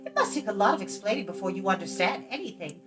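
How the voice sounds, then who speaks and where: A woman's voice: mid-range voice, sing-song, fast, over music, voice pushed up, lightly acted. A woman voicing a chatty, proud and scatterbrained young enchantress girl from a storybook, breezy and haughty in manner. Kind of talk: storybook character voice.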